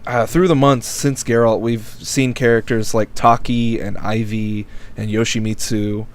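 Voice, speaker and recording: A man's voice: mid-range voice, little pitch movement, a little slow. A man co-hosting a casual game podcast who rambles through his points with lots of fillers and restarts, hiccuping now and then. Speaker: podcast co-host. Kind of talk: casual chat.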